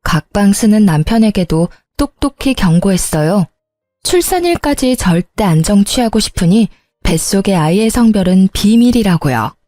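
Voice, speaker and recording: Casting: young female storyteller, mellow voice, dry recording with faint music behind. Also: mid-range voice, animated, normal speed, dry recording. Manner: plain, indignant first-person storytelling. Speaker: narrator. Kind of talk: scripted story narration.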